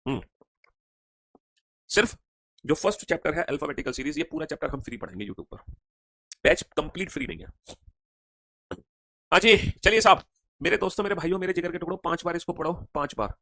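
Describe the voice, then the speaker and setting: Energetic male teacher drilling a class. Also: a little high, fairly quick, vocal fry, pauses often. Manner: drills students aloud, repeats each line, calls them son; animated, loud call-and-response recitation. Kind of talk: classroom lesson.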